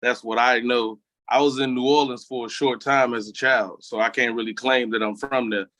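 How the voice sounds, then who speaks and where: A man's voice: medium pitch, steady tone, moderate pace, fairly bright tone, no room sound. A man from Memphis talks frankly and reflectively as an interview guest. His voice comes through dry and close, without any room sound. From Memphis, Tennessee. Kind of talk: casual interview.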